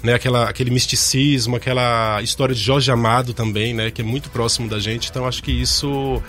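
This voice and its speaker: A middle-aged man, a theatre director and actor, telling his story in a relaxed way with frequent tag questions as an interview guest. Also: medium pitch, a little fast, faint music behind. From Bahia, Brazil.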